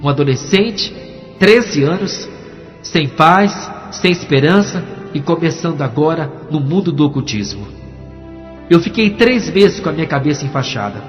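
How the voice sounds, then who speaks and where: A pastor gives his testimony with dramatic storytelling, moving between hushed and emphatic. His voice sits slightly high. It carries a long hall echo with a dull, muffled tone, and soft music plays beneath. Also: expressive, moderate pace. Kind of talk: preached testimony. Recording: echoey, dull, music underneath.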